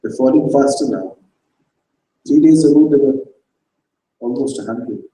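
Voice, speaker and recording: A man voicing a gravely ill young woman who speaks listlessly and with resignation, recorded from a distance in a roomy hall. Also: medium pitch, measured pace, warm tone, close to an everyday voice. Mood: resigned. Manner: listless, resigned, near a whisper.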